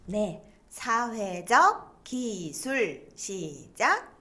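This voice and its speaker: A woman's voice: mid-range voice, very animated, extremely slow, sharp tone. A middle-aged woman giving a lecture, explaining terms and leading students to read aloud together. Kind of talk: online lecture on stress coping.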